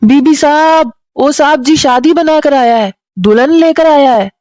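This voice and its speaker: A woman voicing an excitable male household watchman who calls out excitedly. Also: high voice, measured pace, dry recording, voice pushed up.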